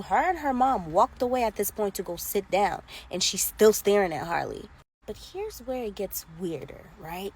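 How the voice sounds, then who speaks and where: A woman's voice: medium pitch, husky. Chatty woman telling scary stories. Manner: chatty, talks straight to viewers as "bestie". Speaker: social media storyteller. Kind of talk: casual scary story time.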